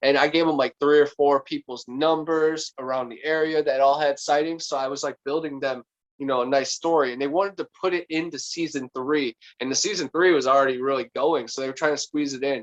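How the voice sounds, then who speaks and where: A man's fairly high voice at a fairly quick pace, with a dry, close sound and no echo. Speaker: bigfoot researcher and author. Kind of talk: casual chat. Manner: loud; animated.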